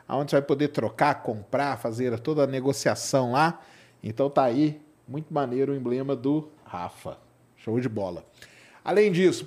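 A man's voice: on the high side, darkish tone. A man with a Brazilian accent hosting a live show in casual, slangy chat, often tagging phrases with little questions for agreement. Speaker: podcast host.

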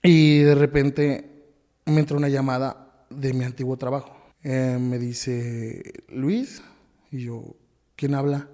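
A man's voice: mid-range voice, flat delivery, warm tone, in a large hall. Mexican man telling a harrowing story. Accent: Mexican Spanish. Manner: emotional, halting, with many restarts and repetitions. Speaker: podcast guest. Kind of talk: personal storytelling.

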